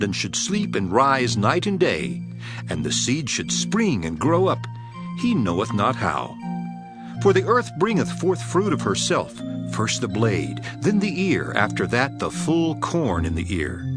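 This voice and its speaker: A man playing a solemn, authoritative male teacher of parables, declaiming deliberately in a dramatized scripture reading. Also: medium pitch. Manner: declamatory, deliberate preaching delivery. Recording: prominent music behind the voice. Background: music.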